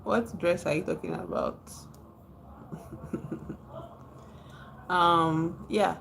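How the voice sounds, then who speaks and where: A woman's voice: fairly low pitch, extremely slow, vocal fry, noisy background. A woman from Nigeria with a Nigerian accent, chatting casually on a livestream, reading out and answering viewers' comments and laughing often.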